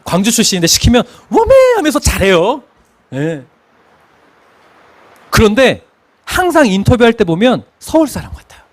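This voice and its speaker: Preaching with a high-pitched voice, this middle-aged man from Chungcheong, Korea, moves at a moderate pace and pauses often. As a pastor, he delivers an expressive sermon full of stories, breaking into hymn lines and laughing along the way.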